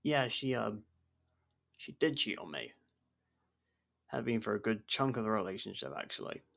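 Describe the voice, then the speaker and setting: Creaky-voiced, guarded male convict played by an actor. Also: on the low side, very animated, moderate pace, a bit bright, heavily acted. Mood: subdued, bitter. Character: jailed man helping an investigator, guarded, blunt, wryly supportive. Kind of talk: ASMR roleplay audio drama.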